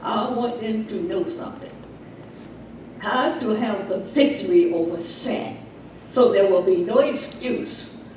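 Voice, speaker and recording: A woman's voice: medium pitch, unhurried, a little mellow, slight background noise. Lady preaching fire and judgment day doomsday style, repeats herself hard, super echoey and far from the mic. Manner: emphatic repetition and rhetorical questions. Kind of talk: fiery judgment-day sermon in church. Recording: very echoey room, distant microphone.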